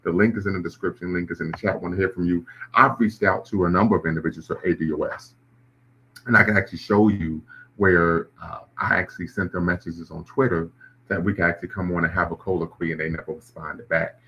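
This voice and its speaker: A man's voice: low-pitched, steady tone, fast, fairly bright tone, lo-fi sound, slight background noise. A man hosting a live stream, reacting to clips and chat comments in a conversational way. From Ohio, US. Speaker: host.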